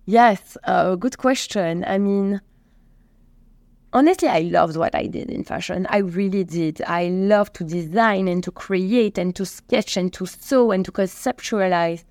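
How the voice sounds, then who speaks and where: A woman's voice: medium pitch, measured pace, a little mellow, no room sound. A woman from Belgium with a Belgian accent, telling stories casually as an interview guest and acting out quoted dialogue. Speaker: company co-founder and CEO, podcast guest.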